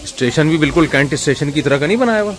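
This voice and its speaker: Man chatting over loud outdoor noise. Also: a little high, expressive, fast. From Pakistan. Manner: chatty, amused, thinks aloud. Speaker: vlogger. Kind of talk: casual travel vlog commentary. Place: outdoors at a railway station. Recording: heavy outdoor background noise.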